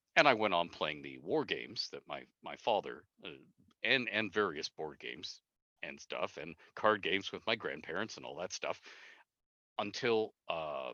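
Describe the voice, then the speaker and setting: A man with fairly low pitch and vocal fry, very wide pitch swings, big swings in loudness and long, frequent pauses, in a dry, close sound with no echo. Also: moderate pace. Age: 60s. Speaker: game designer and author. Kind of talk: interview.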